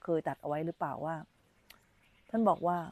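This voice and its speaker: A woman's voice: low voice, expressive, a little fast, warm tone, no echo. A woman meditation teacher giving an informal dharma talk on a live stream, chatty and repeating her phrases as she talks with children around her.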